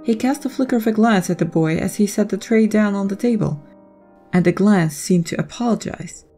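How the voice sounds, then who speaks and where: A woman's voice: mid-range voice, brisk, warm tone, faint music behind. A woman reading scripted, dramatic story narration as the narrator of an audio drama.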